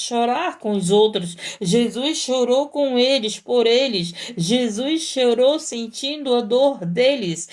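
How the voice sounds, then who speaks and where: Fervent woman preaching. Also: on the high side. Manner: fervent, repetitive exhortations with frequent "praise God". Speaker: missionary preacher. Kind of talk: sermon.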